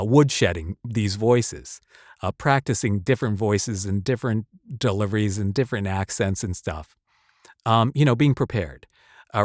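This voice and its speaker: A man's voice: on the low side, dry recording, clean studio sound. A man speaking as a voice actor giving casual advice, rambling and emphatic in a conversational way. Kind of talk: casual advice talk to camera or mic.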